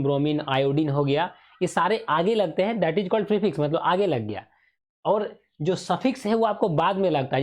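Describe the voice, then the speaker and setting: A man's voice: a little high, darkish tone, highs cut off. A male teacher giving an exam revision lesson in speech, who keeps asking questions and answering them himself, repeating the key terms.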